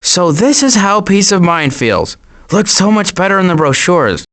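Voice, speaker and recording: A man voicing a cautious, exasperated turtle in an animated video game, fretful and given to wry grumbling. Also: sits high, normal speed. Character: anxious, cautious male cartoon turtle, exasperated worrier.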